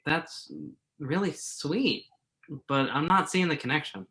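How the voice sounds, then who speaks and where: A man's voice: fairly high pitch, takes it slowly, sharp tone. A man acting the part of an earnest, wordy, self-doubting journalist in a staged play reading. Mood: puzzled, sympathetic. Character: remorseful male entertainment journalist, self-doubting, argumentative, earnest.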